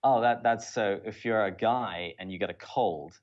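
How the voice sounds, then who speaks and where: Kinda muffled audio, lowish british guy w/ southern english accent, chatting as a guest on an interview. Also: moderate pace. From southern England. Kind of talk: casual conversational interview. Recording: dull, lo-fi audio.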